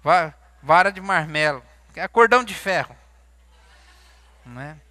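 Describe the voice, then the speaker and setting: A man's voice: a little high, expressive, a little slow, bright, forceful tone, dry recording. A man with a Brazilian Portuguese accent preaching a sermon in a church, talking conversationally and asking his congregation questions. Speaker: pastor.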